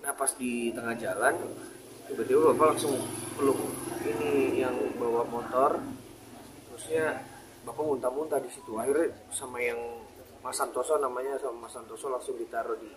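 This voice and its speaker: A man answering reporters' questions in a halting way, often repeating and restarting words as he recounts events plainly. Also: mid-range voice, steady tone, noisy background. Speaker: family member speaking to reporters. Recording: crowd chatter behind.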